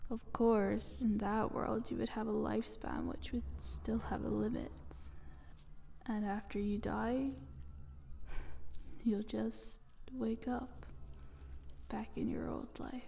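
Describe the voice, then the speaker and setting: A woman playing a calm, condescending, playfully ominous eldritch monster in a soft, breathy whispered ASMR roleplay, speaking slowly and coaxingly. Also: on the high side, a little hiss or hum. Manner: slow, deliberate, coaxing.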